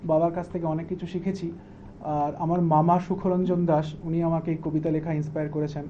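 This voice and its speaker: A man, a guest poet, hesitant in conversation and animated when reciting comic verse. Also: on the high side, a little fast. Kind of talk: interview and comic poetry recitation. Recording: muffled roomy hall with faint hiss.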